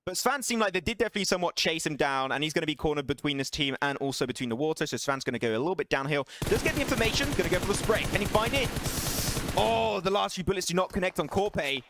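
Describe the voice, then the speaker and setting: A man casting an esports match alone, excitable and chatty, laughing and bantering with his stream chat between calls. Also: a little high, quick pace. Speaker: esports caster. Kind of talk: solo esports play-by-play commentary.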